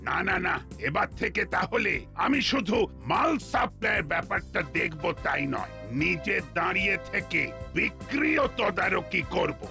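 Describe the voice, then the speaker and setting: A man voicing a pompous, excitable, blustering police inspector in a comic cartoon. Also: high voice, moderate pace, gravelly, soft background music, exaggerated voice. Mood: bossy, eager.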